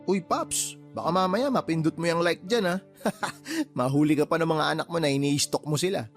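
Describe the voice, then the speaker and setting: A man's voice: a little high, moderate pace, soft background music, lightly acted. An actor playing a teasing, joking male friend in a radio drama, laughing often. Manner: playful, wisecracking, laughs often. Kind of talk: Tagalog radio drama acting.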